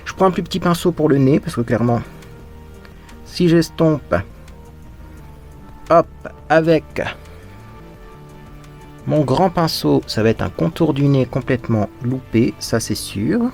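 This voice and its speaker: A man's voice: medium pitch, unhurried, vocal fry, long pauses, a little mellow, faint music behind. A man hosting a casual makeup tutorial, chatting playfully to viewers while he applies his makeup and dropping in little sound words.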